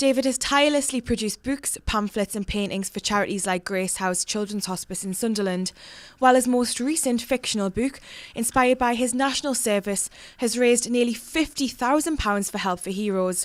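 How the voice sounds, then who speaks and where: In a normal speaking voice, a woman speaks fairly high for a woman, at a fairly quick pace, with ordinary pitch variation. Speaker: TV presenter or reporter. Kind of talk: TV news bulletin narration.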